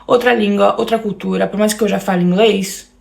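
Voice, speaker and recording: Fast-talking woman with a gravelly edge. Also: mid-range voice, steady tone. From Brazil. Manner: addresses listeners as "gente", acts out quoted lines. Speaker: storyteller telling her own story. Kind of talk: emotional personal testimony.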